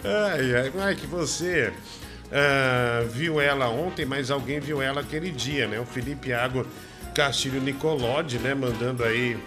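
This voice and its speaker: A man's voice: medium pitch, a little slow, over music. A man hosting a comedy show, chatting in a profane, teasing way. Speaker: show host. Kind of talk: crude comedy live show chat.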